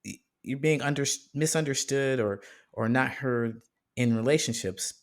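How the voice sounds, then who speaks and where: A man's voice: mid-range voice, normal speed. Man hosting a podcast interview. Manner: thoughtful, searching for words, jokey. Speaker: podcast host. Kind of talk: casual interview conversation.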